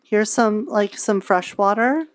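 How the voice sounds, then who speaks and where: A woman playing a gentle fantasy mushroom grower in improvised roleplay, talking hesitantly in simple, childlike phrases. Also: mid-range voice, slow, slight background noise, close to an everyday voice. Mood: friendly, helpful. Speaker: roleplay streamer. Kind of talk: improvised in-character virtual-world roleplay chat.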